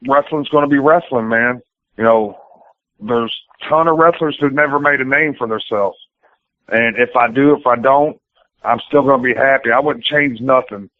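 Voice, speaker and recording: Rambling pro wrestler on a phone-like line. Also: male voice, medium pitch, no echo. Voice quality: colloquial, profane speech. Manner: rambling, plain-spoken. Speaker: pro wrestler being interviewed. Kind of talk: casual interview talk. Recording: tinny phone-like radio interview audio.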